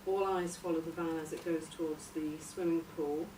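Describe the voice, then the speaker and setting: Woman, tentative informal story pitch, searching for words, far from the mic, clearly noisy recording. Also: fairly even intonation, moderate pace. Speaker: workshop participant presenting a radio drama outline. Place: echoey room, recorded from a distance. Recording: roomy, distant mic, noisy background.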